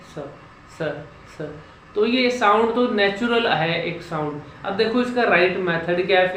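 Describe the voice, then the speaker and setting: A man with a high voice teaches speech clarity and spells out syllables slowly and with care, as in a lesson. The room is echoey and has a faint hum of ambience behind him. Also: fairly bright tone. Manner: slow drilled syllables, explanatory. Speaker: speech coach. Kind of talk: instructional vlog.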